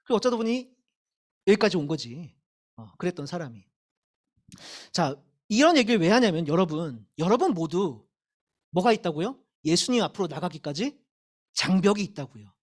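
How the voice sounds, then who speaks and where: A woman's voice: lowish voice, moderate pace, long pauses. A young woman giving a sermon to middle schoolers in a church service, telling her story candidly and laughing at herself. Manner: candid, animated storytelling with self-deprecating laughs. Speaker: youth pastor.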